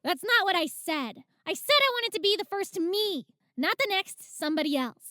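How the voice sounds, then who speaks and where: A woman voicing a brash, battle-loving female Mew superhero who is sassy and quick to bristle, in a fan comedy skit. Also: very high-pitched, big pitch swings, sharp tone, dry recording, studio quality, full character voice. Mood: defensive.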